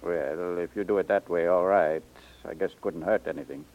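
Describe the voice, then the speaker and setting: A man's voice: sits low, normal speed. An actor playing a courteous, proud middle-aged jewelry store owner and father in a 1950s radio drama, with coaxing salesman's patter. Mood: dismissive, reassuring. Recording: muffled 1950s radio recording.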